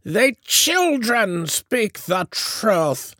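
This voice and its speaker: A man's voice: high voice, very animated, extremely slow, bright, forceful tone, dry recording, clean studio sound, voice pushed up, full character voice. A man voicing a regal female witch from a storybook, intoning in a richly foreboding, purring manner.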